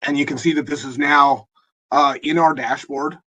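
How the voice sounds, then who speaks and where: A man with a hoarse, husky voice presenting a live software demo in a webinar, talking in a halting way with many fillers and restarts. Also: a little high, steady tone, muffled recording. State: hoarse, losing his voice.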